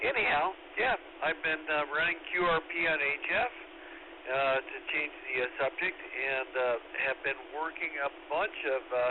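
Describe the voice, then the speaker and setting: A fairly slow pace, very even loudness and ordinary pitch variation over noticeable background noise. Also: man, fairly high pitch for a man. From Alaska. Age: 60s. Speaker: ham radio operator. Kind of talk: radio net check-in.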